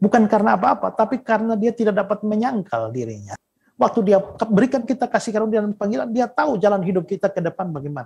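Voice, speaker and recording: Words tumble out at a very fast pace while the pitch varies in an ordinary way. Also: man, high pitch for a man. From Indonesia. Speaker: pastor. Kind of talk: testimony and Bible teaching interview. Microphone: webcam.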